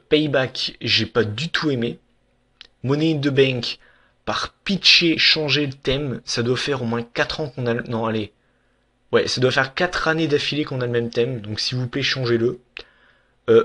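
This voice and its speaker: Young male vlogger, casual and outspoken, mid-pitched, halting with fillers. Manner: frank, blunt, with many fillers and restarts. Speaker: YouTuber reviewing wrestling. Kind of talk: casual opinion vlog.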